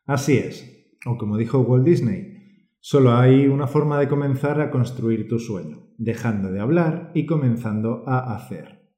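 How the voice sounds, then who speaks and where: A man co-hosting a language-learning podcast, speaking and reading aloud in a measured, encouraging teacher's way. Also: mid-range voice, dark tone, echoey room. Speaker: podcast co-host.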